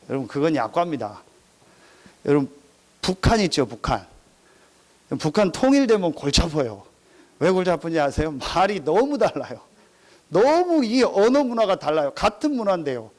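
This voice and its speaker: A male pastor preaches in a fairly high voice, telling funny stories to his congregation. His pitch leaps up and down as he acts out regional dialects and laughs at his own jokes. He keeps drawing listeners in with rhetorical questions. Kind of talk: sermon with humorous anecdotes.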